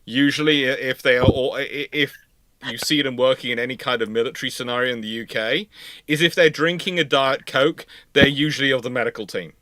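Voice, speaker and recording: A man's voice: medium pitch, a little fast, sharp tone, no room sound. A man hosting a casual live panel chat, talking in an emphatic, repetitive way. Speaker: livestream host.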